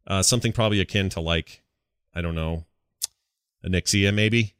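A man's voice: deep voice, moderate pace, a bit bright, clean tone, dry recording, studio quality. A man hosting a gaming podcast, talking casually and rambling through informal asides. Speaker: podcast host.

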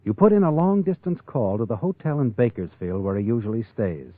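A man's voice: medium pitch, animated, fairly quick, dry recording, natural voice. An actor playing a sly, ominous male narrator who taunts a guilty man in a 1940s radio drama. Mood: insinuating. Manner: insinuating, taunting tag questions. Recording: tinny vintage radio broadcast. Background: dramatic music.

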